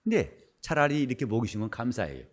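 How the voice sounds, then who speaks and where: A middle-aged man preaching a sermon as pastor, his voice husky and worn, switching between loud bursts and quiet asides. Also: mid-range voice, big pitch swings, fast talker. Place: church sanctuary.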